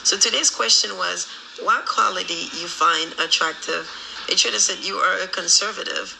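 Holding her phone close in a small room, a woman in her thirties with a Haitian accent reads viewer comments during a casual live stream, moving between English, Creole and French. Her lowish voice sounds gravelly and sharp at a moderate pace, and the rough recording has a little hiss or hum.

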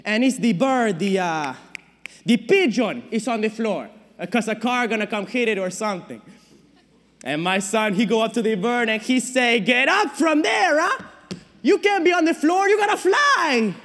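A man playing a Latino immigrant father in a stage monologue, nervously cheerful, with a Latin American Spanish accent and halting broken English. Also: extremely high pitch, fairly bright tone, full character voice. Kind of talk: dramatic monologue performed on stage. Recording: reverberant hall at a speech tournament.

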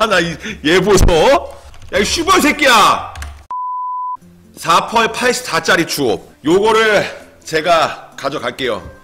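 Excitable young man yelling over gameplay. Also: sits high, slow. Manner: excitable, swings from muttering to sudden yelling and swearing. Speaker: game streamer. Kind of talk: live game commentary.

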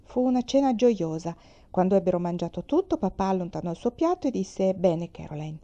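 A woman reading a children's novel aloud with calm, measured storytelling. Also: medium pitch, dull audio.

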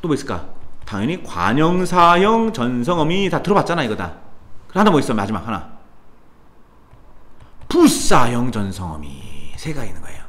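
In a cram school classroom, a male Korean language tutor gives a grammar lecture in a lively, chatty way, throwing in asides, sudden mutters, and exclamations as he addresses the students. His voice is medium-pitched at normal speed, with long pauses.

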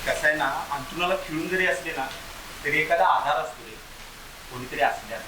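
A man's voice: a little high, lively intonation, a little fast, roomy sound, noisy background, natural voice. A man playing a caring, lecturing relative. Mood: advising. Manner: gentle, lecturing. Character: caring older male relative giving advice.

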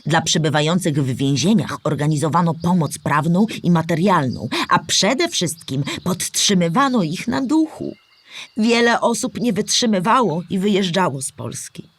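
Patient storyteller explaining history. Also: female voice, lowish voice, expressive, moderate pace, husky. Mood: explanatory, patient. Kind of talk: scripted narration for a children's audio play.

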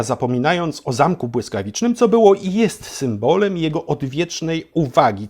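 A man's voice: medium pitch, a little mellow, husky. A man narrating a satirical fairy tale for adults in a theatrical, mock-solemn way, as if addressing children. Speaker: storyteller and channel host.

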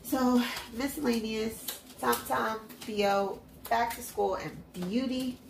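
A woman's voice: fairly high pitch, fairly even intonation, takes it slowly, gravelly, reverberant, a little hiss or hum. A woman with a stuffed-up, congested nose chatting in an upbeat way as she counts cash into envelopes at home. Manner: chatty, upbeat, self-encouraging. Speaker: budgeting vlogger. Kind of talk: casual narration while counting cash. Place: at home, at a table. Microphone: hands-only overhead camera, mic off-frame.

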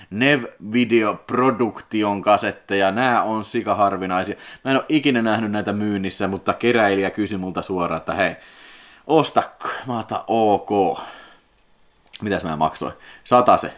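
A man with a Finnish accent chatting casually as he unboxes videotapes in his vlog, excitable and prone to sudden high whoops. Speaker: video collector vlogger.

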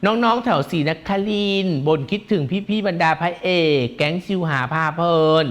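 A gossip show host runs through celebrity gossip at normal speed, camp and teasing, often dissolving into giggles. His voice is fairly high for a man, and he uses feminine polite endings.

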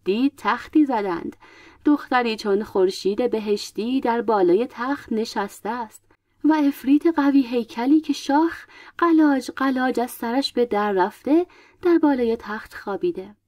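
A woman storyteller reading a classic folk tale in a measured, dramatic way into a close mic. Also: a little high, darkish tone, no room sound, lo-fi sound. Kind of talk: scripted narration of a folk tale.

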